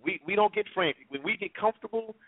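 A man's voice: high-pitched, expressive, quick pace, phone-quality sound. A man on a talk radio show, explaining his views at length with worked examples in a casual way.

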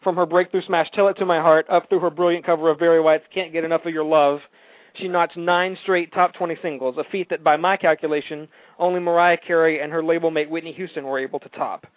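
A man's voice: on the high side, fairly even intonation, quick pace, no echo. A man hosting a radio talk show, chatting and interviewing in an effusive, complimentary way. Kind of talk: casual chat and celebrity interview. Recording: dry phone-like line.

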